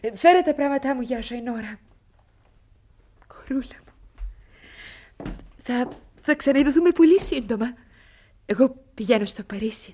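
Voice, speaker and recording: A woman playing a husky, wistful aristocratic lady. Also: on the high side, darkish tone, natural voice. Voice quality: husky, breathy, often half-whispered. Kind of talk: radio play acting.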